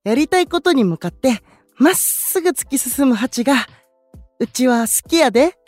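A man playing a gentle, candid young male idol with a Kansai accent in an anime-style audio drama, soft-spoken and considerate. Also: very high-pitched, lively intonation, normal speed, no room sound, soft background music. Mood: earnest, caring.

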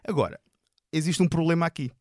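A man's voice: on the high side, fast talker, no echo, studio quality. A man with a European Portuguese accent who stutters. He repeats and blocks on words while animatedly telling stories about his stand-up shows in an interview. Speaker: stand-up comedian guest. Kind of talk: casual storytelling in an interview.

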